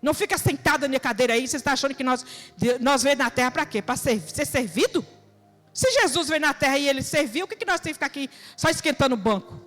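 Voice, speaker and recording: A woman's voice: sits high, fast, fairly bright tone. A woman from São preaching an earnest, exhorting sermon in church, full of rhetorical questions and plain everyday speech. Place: church hall. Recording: reverberant church hall with music.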